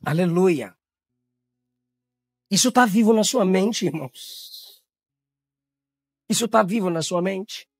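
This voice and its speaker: A man from Brazil preaching a Pentecostal sermon, shouting in high bursts and then dropping to low, quiet tones. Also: slow, pauses often, breathy edge, dry recording, studio quality.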